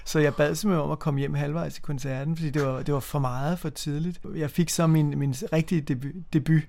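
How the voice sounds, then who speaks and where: A man's voice: a little high, steady tone, vocal fry, a little mellow. A man in his fifties from Denmark, co-hosting a casual radio chat about music and recalling memories with frequent restarts. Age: 50s. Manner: hesitant, repeats words while recalling memories. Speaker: co-host.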